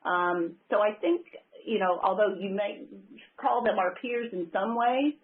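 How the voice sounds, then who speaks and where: A woman executive speaks on an earnings call over a thin, narrow phone line. Her pitch is mid-range, and she talks in emphatic, promotional business language. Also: measured pace. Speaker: company executive answering investors. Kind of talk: earnings call remarks, semi-spontaneous. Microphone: telephone conference call.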